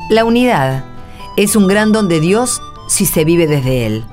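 Female radio presenter, Argentine, lowish voice, measured scripted reading for religious programme, light music bed. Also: expressive, darkish tone.

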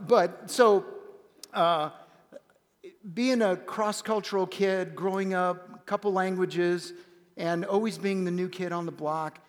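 A man in his fifties telling a family story to a church congregation in an earnest way. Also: fairly high pitch. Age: 50s. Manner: earnest, with frequent uh fillers. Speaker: church guest speaker. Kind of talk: storytelling on stage. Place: large church auditorium. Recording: long hall reverb.

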